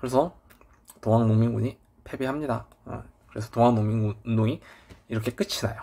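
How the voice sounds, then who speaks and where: At a fairly quick pace yet with long, frequent pauses, a man with a dark, mellow tone speaks at a medium pitch and fairly even intonation. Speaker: history teacher. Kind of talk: lecture.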